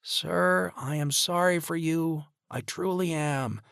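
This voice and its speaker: A man voicing a weary male doctor who speaks in a tired, cold, measured way. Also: on the high side, gravelly, a bit bright, clean tone, no echo, studio quality, pitched above the performer's own voice, exaggerated voice. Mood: grim.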